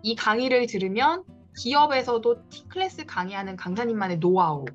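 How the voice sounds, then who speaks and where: Speaking brisk and expressive at a fairly high pitch, a woman in her thirties coaches an independent lecturer during a private online session, advising and encouraging. The sound is dull, lo-fi video call audio, with faint guitar music in the background.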